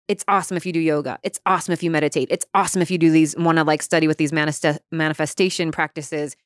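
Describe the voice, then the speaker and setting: A woman's voice: sits low, steady tone, rapid-fire, no echo, studio quality. A woman hosting a podcast interview, chatting reflectively and laughing often. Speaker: podcast host. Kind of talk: casual interview conversation.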